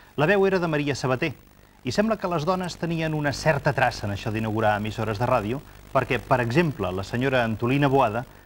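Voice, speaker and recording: Here a man talks at a very fast pace with lively intonation. His pitch sits in the medium range. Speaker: TV interviewer, presenter. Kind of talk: TV presenter interview.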